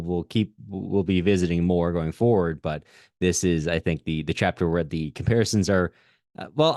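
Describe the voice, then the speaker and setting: A man hosting a podcast, talking through a book in a conversational, halting way as he thinks aloud. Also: sits low, darkish tone, dry recording, clean studio sound. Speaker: podcast host. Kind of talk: conversational literary discussion.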